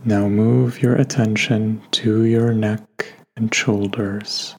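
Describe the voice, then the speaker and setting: A man leads a guided meditation at a very slow pace, with long pauses between gentle instructions. His voice is soft-edged and husky, with little melodic movement. Faint music plays behind him. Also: fairly low pitch, little pitch movement. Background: soft background music.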